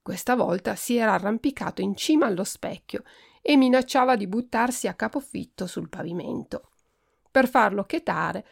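A woman hosting a podcast reads a children's storybook aloud, steady and expressive. Her voice has a gravelly, creaky texture at a mid pitch. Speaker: podcast host reading a children's book.

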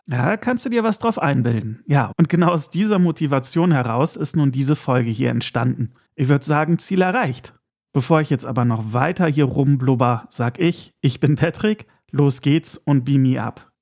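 A man hosts a casual podcast with a chatty, enthusiastic manner. He drops in little asides and the odd laugh, and his voice has a gravelly edge. His pitch sits in the middle. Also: lively intonation, normal speed, a little mellow. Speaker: podcast host.

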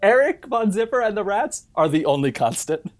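A man speaking as a podcast guest in casual, comic film discussion, animated and halting, with false starts and frequent laughter as he talks. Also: high voice. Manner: animated, laughing often while talking.

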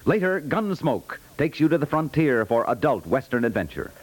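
A man's voice: mid-range voice, sing-song, normal speed, slightly rough, low-quality recording. A man with an American accent announcing in a polished, punchy 1950s network radio promotional style. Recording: vintage 1950s radio broadcast.

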